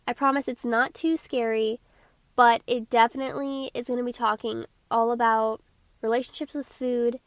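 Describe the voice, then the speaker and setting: A woman's voice: fairly high pitch, little pitch movement, no echo. A teenage girl from Georgia hosting her own podcast, chatting in an eager, bubbly way with a stuffy nose. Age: teens. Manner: bubbly, eager, talks quickly. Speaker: podcast host. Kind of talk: casual solo podcast chat.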